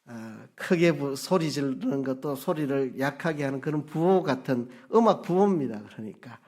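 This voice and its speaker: A man's voice: mid-range voice, expressive, normal speed, a little mellow. A man preaching as pastor, reading scripture lines aloud and repeating them with shifting emphasis. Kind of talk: sermon.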